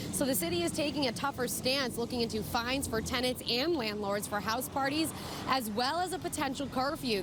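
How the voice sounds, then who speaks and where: A woman with an American accent delivering a scripted live news report from outdoors as a field reporter. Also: fairly high pitch. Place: outdoors on a city street. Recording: clear outdoor street and traffic noise.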